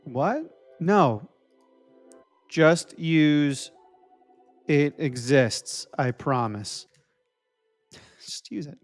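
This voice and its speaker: A young man from New Jersey hosts a casual live stream, thinking out loud as he works and answering viewers. His voice sits a little high for a man. Faint music plays quietly behind him. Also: lively intonation, very slow, pauses often. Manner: thinking aloud while coding, answering viewer chat.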